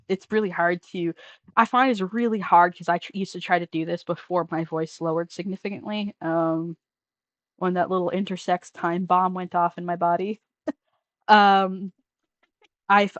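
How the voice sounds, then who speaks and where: A trans man hosting a casual call-in show, talking in a rambling way with many restarts and trailing off quietly. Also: high-pitched, dry recording. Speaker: podcast host taking call-ins. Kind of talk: casual conversational chat.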